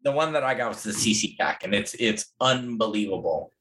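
Co-host, man, on the low side, earnest and keen, casual talk. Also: expressive, brisk, a bit bright, a little hiss or hum, rough recording. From Southern California. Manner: earnest, enthusiastic, with restarts. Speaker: podcast co-host. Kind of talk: casual podcast chat.

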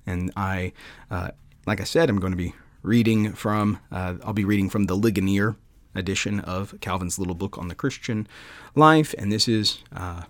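Low-voiced man, earnest podcast host. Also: moderate pace, no echo. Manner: earnest, often checks with "right?". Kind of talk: conversational explanatory talk on theology.

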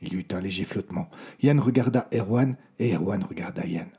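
Male storyteller, hushed suspenseful narration, low voice, very breathy. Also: fairly quick.

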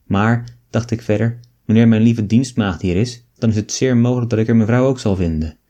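Man, audiobook narration, measured storytelling, low pitch, dark tone. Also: muffled recording. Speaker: audiobook reader. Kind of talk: audiobook narration of an old novel.

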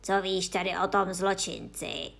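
A woman voicing a stout, strict male judge who thunders and shouts at the accused, in a children's story reading. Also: fairly low pitch, animated, vocal fry. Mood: hřímavý, rozhněvaný. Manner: hřímá, křičí na obžalovaného. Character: tlustý přísný soudce, hřmotný muž.

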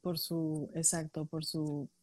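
A woman's voice: deep voice, little pitch movement, slow, darkish tone. A woman in a casual conversation, explaining her points through examples.

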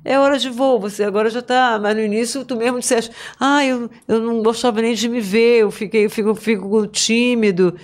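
Female voice talent, warm-hearted lively storyteller, podcast guest. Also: fairly high pitch, a little fast, few pauses. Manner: lively storyteller, laughs often, animated. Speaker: guest voice-over artist. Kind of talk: casual podcast chat. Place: podcast studio.

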